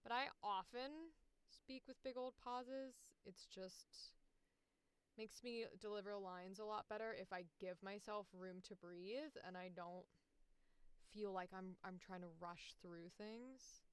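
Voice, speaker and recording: A woman's voice: medium pitch, takes it slowly, clear, resonant tone, dry recording. A woman voice actor chatting casually on a livestream, informal and sweary, thinking aloud as she works. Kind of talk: casual livestream chat while editing audio.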